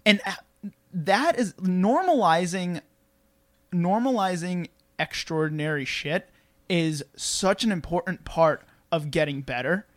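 A man's voice: high voice, animated, measured pace, a bit bright, no room sound. A man hosting a podcast in casual chat, swearing freely and laughing as he tells stories. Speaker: podcast host.

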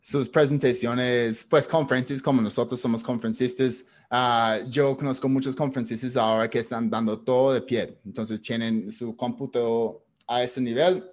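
A man who also gives talks, interviewing a guest over a video call and asking halting questions with fillers. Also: mid-range voice, steady tone, darkish tone. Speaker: interviewer and speaker.

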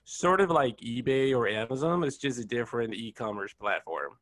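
A man's voice: mid-range voice, lively intonation, normal speed, fairly bright tone, no room sound. A man from Puerto Rico whose first language is Spanish, speaking English with a Puerto Rican accent in a polite, somewhat hesitant way while asking for business advice. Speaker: caller seeking business advice. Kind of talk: casual call conversation.

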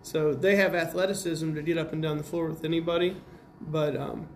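A man with an American accent and a slightly high voice talks as a basketball coach being interviewed. His wording is plain and casual as he analyzes play. There is some noise in the recording. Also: fairly even intonation, fairly quick, darkish tone. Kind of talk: interview answers, game analysis.

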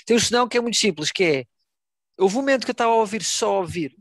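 A man's voice: sits high, lively intonation, racing, no echo, clean studio sound. A young man in casual podcast chat, slangy, repeating words as he searches for phrasing and mixing in English. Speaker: wrestling podcast co-host.

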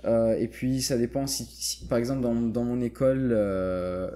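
This is a young man from Lebanon with a light Lebanese accent in his French. His tone is mellow and warm. He talks thoughtfully in a casual chat and often restarts his sentences. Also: medium pitch, steady tone, normal speed. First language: Lebanese Arabic. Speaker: guest.

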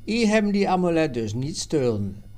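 A man doing a loud, eager old trader. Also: fairly high pitch, very animated, normal speed, pitched above the performer's own voice. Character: adult man, worldly former colonial trader.

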